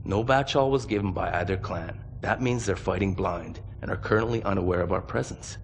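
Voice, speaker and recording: Gravelly low-voiced stern military commander. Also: male voice, noisy background. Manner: measured, authoritative, solemn. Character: grave, commanding male mercenary officer briefing his unit. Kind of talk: dramatic game cutscene acting.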